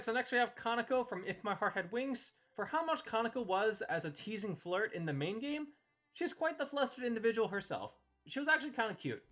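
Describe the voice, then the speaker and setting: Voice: mid-range voice, fairly bright tone. A video host giving casual, opinionated review commentary in an informal, emphatic and slangy manner. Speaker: video host ranking visual novel characters.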